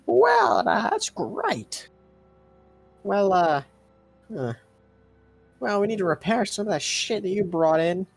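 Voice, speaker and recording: A man's voice: sits high, sing-song, takes it slowly, creaky, long pauses, faint music behind, voice pushed up, exaggerated voice. A man voicing a rowdy, scatterbrained war boy mechanic in a tabletop game, coarse and blustering. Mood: flustered.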